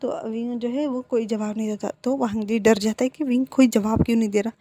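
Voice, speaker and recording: A woman's voice: on the high side, fairly even intonation, a little fast, mellow, no echo. A woman narrating a fan story in a casual, filler-heavy way. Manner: plain retelling with many fillers.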